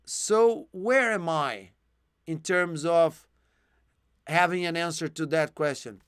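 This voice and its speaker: A man's voice: a little high, takes it slowly, a bit bright, clean tone, dry recording, clean studio sound. A man teaching English in a live one-to-one online lesson, explaining words patiently with many fillers and restarts, his voice tiring. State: losing his voice.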